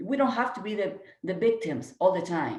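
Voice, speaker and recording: With a Spanish accent, a woman speaks at a fairly high pitch with lively intonation amid audible room echo. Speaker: real estate agent. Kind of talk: motivational talk. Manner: halting, with fillers and restarts.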